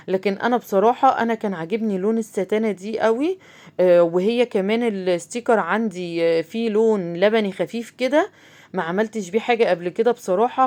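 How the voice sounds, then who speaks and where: A fast-talking woman with an Egyptian accent walks viewers through a homemade craft. She keeps up a friendly, chatty stream of talk, full of fillers and direct asides to her audience. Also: mid-range voice, a little mellow. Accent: Egyptian Arabic. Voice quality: chatty, talks straight to viewers, many fillers. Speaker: crafts channel host. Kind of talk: casual craft tutorial.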